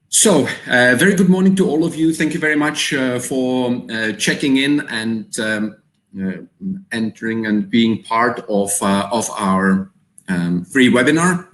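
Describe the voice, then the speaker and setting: A Czech man with a Czech accent hosts a live webinar in a mid-range, fairly bright voice. He speaks hesitantly, with lots of fillers and repeated words, and the recording has a roomy echo.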